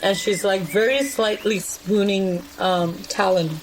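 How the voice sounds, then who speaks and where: A woman playing a tabletop role-playing game, describing her character in a casual, expressive, improvised way. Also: mid-range voice, measured pace, a little hiss or hum, rough recording.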